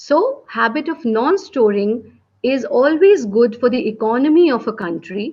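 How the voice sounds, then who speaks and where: In an Indian accent, a woman with a high pitch speaks at a fairly slow pace with very wide pitch swings. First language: Hindi. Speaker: yoga trainer and dance teacher. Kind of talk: panel talk.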